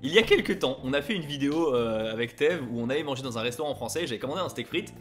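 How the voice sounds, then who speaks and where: A young man chatting casually on his vlog, reading out viewer messages and reacting with animated, sometimes loud mock outrage. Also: medium pitch, fast talker, faint music behind. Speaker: YouTuber.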